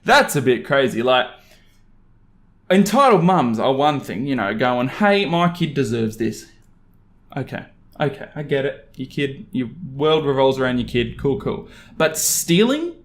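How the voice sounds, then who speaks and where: A young man from Australia reads online stories as a host, adding casual, animated and exasperated commentary. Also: medium pitch, unhurried. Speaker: YouTube host reading Reddit stories. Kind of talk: story reading with casual commentary.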